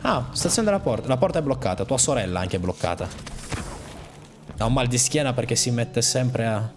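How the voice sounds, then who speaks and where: Un uomo che commenta una partita a un videogioco con tono scherzoso e agitato, parlando ai personaggi del gioco. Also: male voice, medium pitch, a little fast, noisy background. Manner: animated, jokey, talks to the game characters. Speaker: gaming YouTuber. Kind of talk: excited gameplay commentary.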